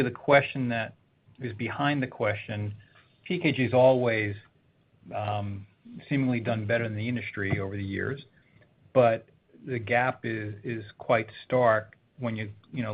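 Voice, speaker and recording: A man's voice: lowish voice, vocal fry. A man working as a financial analyst, putting wordy, roundabout questions to executives on an earnings call. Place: conference call. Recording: dull call line with faint noise.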